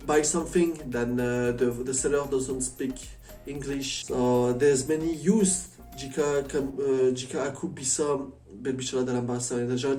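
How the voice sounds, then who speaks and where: A man from France with a French accent chatting casually as a vlogger, a foreigner speaking halting learner's Indonesian and often slipping into English. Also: mid-range voice, warm tone. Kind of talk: casual chat to camera. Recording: echoey room, distant mic, faint music.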